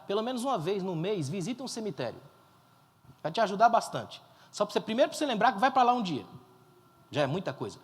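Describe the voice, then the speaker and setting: Pastor guy preaching, really high husky voice, big echoey hall. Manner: fervent, swells to loud emphasis, quizzes the crowd. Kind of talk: sermon. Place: church conference hall. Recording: long hall reverb.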